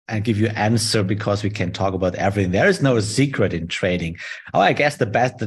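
This German-accented man, for whom English is a second language, runs a live trading session online via video call. Friendly but halting, he walks through charts with plenty of fillers in a mid-range voice that has a breathy edge.

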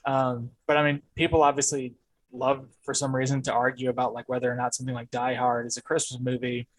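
A man's voice: mid-range voice, completely flat delivery, quick pace, poor audio. A man co-hosting a casual movie podcast, talking in a loose, rambling way with frequent fillers and chuckles. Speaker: podcast co-host. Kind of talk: casual chat.

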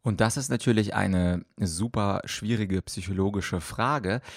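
A man's voice: on the low side, measured pace, gravelly, no echo, studio quality. A man speaking as a coach, explaining at length with many fillers on a podcast answering listener questions.

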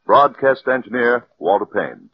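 A man's voice: mid-range voice, lively intonation, a little slow, breathy edge. A male radio announcer reading closing credits in a formal, declamatory manner, heard on a dull 1940s radio broadcast. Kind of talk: scripted announcement.

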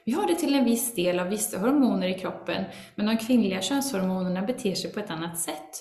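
A woman's voice: medium pitch, echoey room. A woman guest talking earnestly in a casual conversation, now and then acting out her own inner voices. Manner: earnest, animated, with acted asides of her inner critic.

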